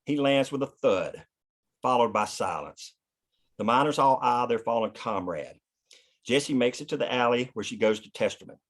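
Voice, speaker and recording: A man's voice: mid-range voice, expressive, moderate pace. A man narrating scripted action and scene headings at a screenplay table read. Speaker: narrator reading stage directions.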